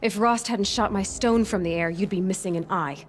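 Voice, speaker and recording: An actress playing a cool, sarcastic young tribal outcast in a video game, speaking in a dry, cutting way. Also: female voice, medium pitch, moderate pace, slight background noise, lightly acted. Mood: defiant. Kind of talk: video game cutscene acting.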